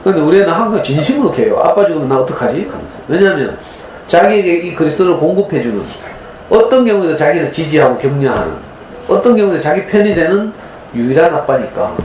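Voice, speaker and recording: A man's voice: on the high side, big pitch swings, fast, a little mellow. A man, giving a conversational lecture to parents in a folksy, storytelling manner, often checking in with his audience. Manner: folksy, storytelling, frequent tag questions. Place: lecture room. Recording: roomy lecture hall with faint hum.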